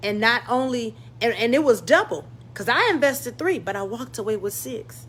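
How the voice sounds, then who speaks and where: Speaking with vocal fry, a woman has a medium pitch and an American accent. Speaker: life coach, motivational speaker. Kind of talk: casual motivational livestream talk.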